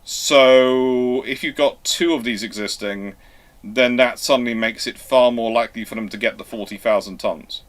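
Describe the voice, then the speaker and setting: A man hosting a live question-and-answer history talk, speaking in a halting, emphatic way as he reworks his phrases. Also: mid-range voice. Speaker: host answering viewer questions.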